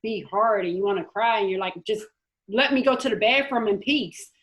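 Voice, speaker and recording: A woman's voice: mid-range voice, normal speed. An American woman hosting a casual motivational panel chat, emphatic and encouraging, repeating phrases for effect. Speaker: host.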